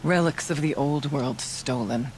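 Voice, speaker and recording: Man playing a solemn, higher-voiced tribal shaman. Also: slight background noise, close to an everyday voice. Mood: grave, measured. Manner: measured, formal, reverent phrasing. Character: solemn tribal shaman, devout, earnest, protective of a sibling. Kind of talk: dramatic video game cutscene acting.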